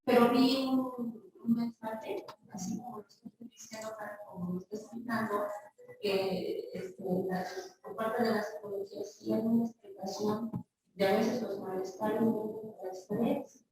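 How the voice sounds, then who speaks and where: A woman's voice: on the high side, unhurried, darkish tone, heavy reverb, distant mic, slight background noise, low-quality recording. A woman student in class, sharing her thoughts hesitantly and searching for words. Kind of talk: class participation.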